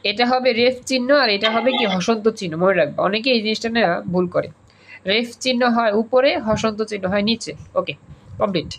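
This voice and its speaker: A man's voice: high voice, a little fast, a bit bright, slight background noise. A male teacher, teaching an online class over a video call and drilling students with repeated questions and examples. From Bangladesh.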